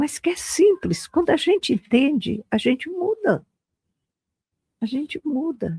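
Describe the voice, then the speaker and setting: Speaking at a fairly slow pace with long, frequent pauses, a woman uses a high, dark, mellow voice that swings very widely in pitch, recorded dry and close with no echo. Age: 80s+. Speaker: therapist and spiritual teacher. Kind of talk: interview testimony.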